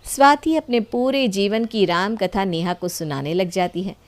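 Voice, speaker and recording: A woman's voice: medium pitch, normal speed. A woman reading a scripted story as the storyteller.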